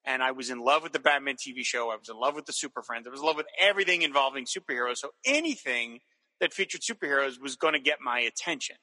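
A man's voice: mid-range voice, animated, quick pace, pushed and bright, long reverb tail, low-quality recording. A man chatting casually as a podcast co-host, enthusiastic and rambling, with many restarts. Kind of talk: casual chat reviewing old cartoons.

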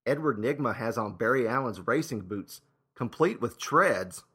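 A man's voice: medium pitch, expressive, moderate pace, sharp tone, husky. A man hosting with scripted narration and casual, wry asides. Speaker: host and narrator.

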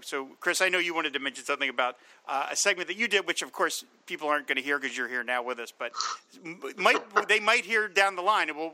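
A man hosting a podcast, talking in a casual, halting way with many restarts. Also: mid-range voice, bright, forceful tone, dry recording, low-quality recording. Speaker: podcast host.

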